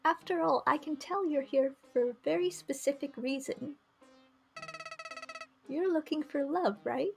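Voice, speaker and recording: Woman voicing a high, folksy talking flower. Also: measured pace, vocal fry, pauses often, soft background music. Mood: sweetly coaxing. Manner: chirpy, coaxing, folksy. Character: folksy, sweet-talking talking flower hiding a cruel streak. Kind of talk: visual novel character read-aloud.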